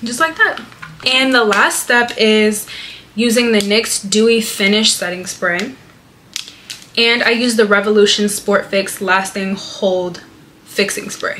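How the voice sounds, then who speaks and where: A woman with a fairly high pitch speaks at a fairly slow pace with ordinary pitch variation and long, frequent pauses. Audible room echo and noticeable background noise are present. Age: young. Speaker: beauty vlogger. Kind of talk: makeup tutorial. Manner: casual.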